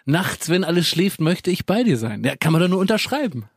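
A man's voice: high-pitched, very animated, fairly quick, breathy edge, dry recording. A man co-hosting a casual talk, joking about himself with dry humor. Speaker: podcast co-host. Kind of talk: casual chat.

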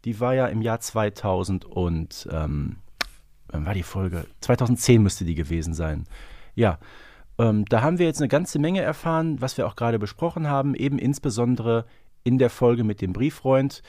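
A man's voice: mid-range voice, lively intonation, normal speed, mellow, dry recording, studio quality. A man co-hosting a podcast in casual discussion, thinking aloud in a reflective, hesitant way. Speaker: podcast co-host. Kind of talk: casual discussion of an audio drama series.

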